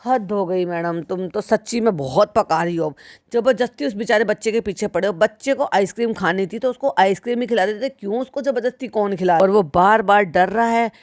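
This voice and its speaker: A woman's voice: mid-range voice, brisk, a little mellow. Sarcastic, scolding woman reaction commentator. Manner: sarcastic, scolding, mimics the people she mocks; keeps addressing the listener as "bhai sahab".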